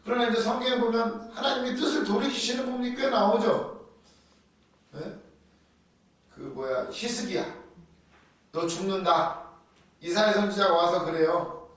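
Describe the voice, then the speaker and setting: High-voiced male preacher in an echoey hall. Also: unhurried, pauses often, distant mic. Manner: lively storytelling, acts out Bible quotes. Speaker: pastor. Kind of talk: sermon teaching on doctrine.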